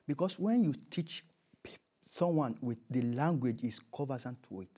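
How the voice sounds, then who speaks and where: A man's voice: mid-range voice, lively intonation, moderate pace, warm tone, breathy edge. Emphatic Nigerian man being interviewed. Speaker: interview guest. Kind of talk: conversational interview.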